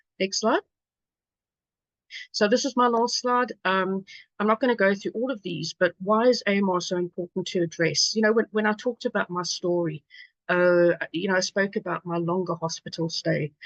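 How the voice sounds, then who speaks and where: A woman with a South African accent, medium pitch, ordinary pitch variation and a moderate pace, in a dry, close sound with no echo. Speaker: patient advocate, AMR survivor. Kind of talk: conference presentation.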